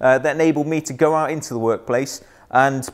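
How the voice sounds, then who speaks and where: The speaker goes at a moderate pace with ordinary pitch variation against a quiet background. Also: man. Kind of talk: personal story talk to camera. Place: workshop. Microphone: lapel.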